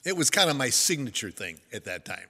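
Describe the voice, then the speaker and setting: A man's voice: mid-range voice, very animated, fairly quick, pushed and bright, long reverb tail. An older man giving a sermon to a congregation, telling stories in a folksy, self-deprecating way. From United States. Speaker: pastor.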